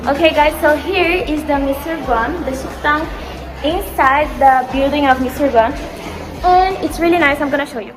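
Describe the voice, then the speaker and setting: A high-voiced young woman walks through a campus and chats as she points out each building. Her vlog narration is relaxed and casual, with bright music playing underneath. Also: a little fast, rough recording. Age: young adult. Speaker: student vlogger giving a campus tour. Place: outdoors and indoors on a university campus. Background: background music.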